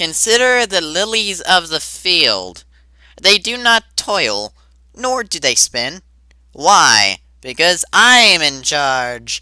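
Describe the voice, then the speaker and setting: This put-on character voice is nasal and robotic, pitched in the middle and delivered at a very slow pace. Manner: imperious.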